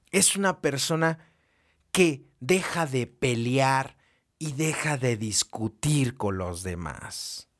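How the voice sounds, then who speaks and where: A man's voice: fairly high pitch, a bit bright. A man giving a spiritual recovery talk, preaching and firing off rhetorical questions. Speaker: AA speaker.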